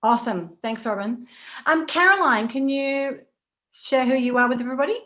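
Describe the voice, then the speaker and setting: A woman's voice: high voice, moderate pace, a bit bright. A woman moderating an online panel in an informal, conversational style over a video call.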